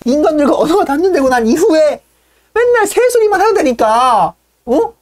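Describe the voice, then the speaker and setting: A cocky, scheming con man, read aloud by a woman in a play reading, lecturing and goading his listeners. His voice jumps about in pitch, and he keeps jabbing questions to pull them along. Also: very animated, moderate pace, darkish tone. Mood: hectoring. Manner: hectoring, cocky, keeps prodding with "어?". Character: brash, scheming Athenian man talking birds round.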